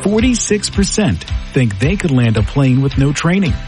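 A man reading a scripted radio ad in a wry, measured way. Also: mid-range voice, sing-song, darkish tone, soft background music. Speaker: ad announcer.

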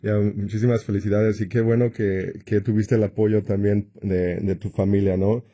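Dark-voiced male interview host. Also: fairly low pitch, flat delivery, normal speed. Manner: encouraging, with many short affirmations. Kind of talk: interview hosting.

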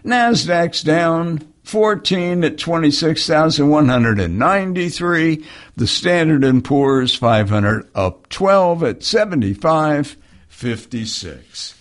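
Slow, measured male radio newscaster. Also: fairly high pitch. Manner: measured, steady news delivery. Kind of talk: news reading. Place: radio studio. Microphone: studio microphone.

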